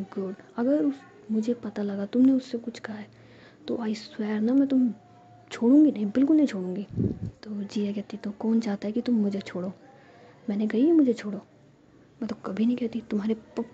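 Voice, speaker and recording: Whispering woman with a dark tone. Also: mid-range voice, a little hiss or hum. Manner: soft unvoiced whisper, acting out quick dialogue. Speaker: storyteller. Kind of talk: whispered story narration. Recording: dull lo-fi sound.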